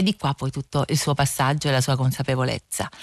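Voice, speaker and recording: A woman is speaking. The sound is dry and close with no echo, on a very clean recording with a silent background. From Caserta area, southern Italy. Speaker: writer. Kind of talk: radio interview.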